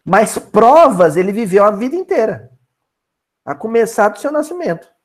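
A man's voice: high voice, normal speed. A man leading a Spiritist Bible study lesson, colloquial and asking his listeners questions. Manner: animated, colloquial, asks the audience questions.

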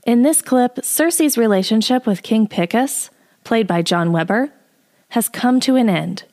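A woman's voice: fairly high pitch, animated, measured pace, a little mellow. A woman presenting a podcast, reading scripted introductions. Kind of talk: scripted narration.

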